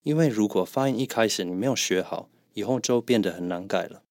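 A man co-hosting a podcast as a German teacher, calmly and methodically explaining pronunciation. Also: fairly low pitch, a little fast, dry recording, studio quality. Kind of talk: podcast language lesson.

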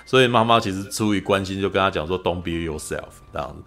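A man's voice: low-pitched, quick pace. A man with a Taiwanese Mandarin accent, a podcast host in casual film chat who tells stories with energy and acts out the lines he quotes. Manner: animated storyteller, acts out quoted lines, frequent "你知道吗" asides.

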